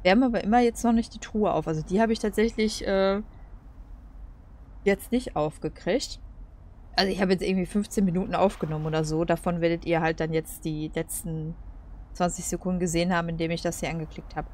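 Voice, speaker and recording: A woman's voice: fairly low pitch, steady tone, brisk, a little mellow, a little hiss or hum. A woman giving casual gameplay commentary in a rambling, colloquial, hesitant way. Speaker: let's play host.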